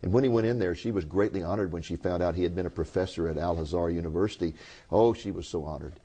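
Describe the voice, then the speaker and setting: A male TV host leads a religious interview, telling stories to the viewers with emphatic, direct address. His voice sits low, with a husky, mellow tone. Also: fast talker. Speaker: TV program host.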